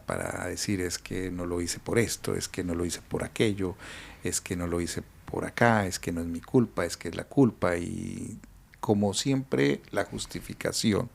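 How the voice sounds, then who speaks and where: A man hosting an interview podcast, asking measured, probing questions. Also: low voice, vocal fry. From Colombia. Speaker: podcast host.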